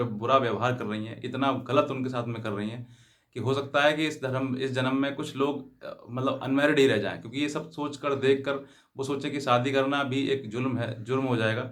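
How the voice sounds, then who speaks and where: A man's voice: medium pitch, a bit bright. A man giving an explanatory legal advice talk to viewers, often rephrasing himself and glossing English terms in Hindi. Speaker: legal advice channel host.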